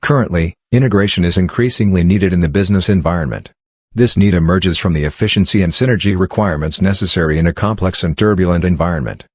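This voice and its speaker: A man's voice: deep voice, fast, slightly rough, dry recording, studio quality. A man giving a scripted read-aloud of academic passages as a model reader.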